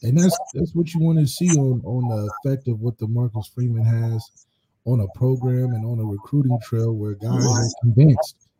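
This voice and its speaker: A man co-hosting a casual sports podcast, giving relaxed conversational analysis. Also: medium pitch, normal speed, husky, poor audio. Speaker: podcast co-host.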